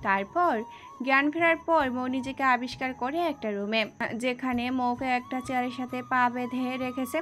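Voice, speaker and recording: A woman narrating a dramatic audio story in a steady, scripted storytelling manner. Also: sits high, moderate pace, a little hiss or hum.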